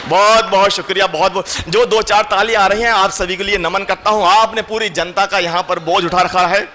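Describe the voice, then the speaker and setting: A man's voice: high-pitched, a little fast, noisy background. A man on stage telling comic anecdotes and reciting poetry, acting out the voices in his stories. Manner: animated, acts out voices in anecdotes. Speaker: stage poet. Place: stage at an indoor event hall.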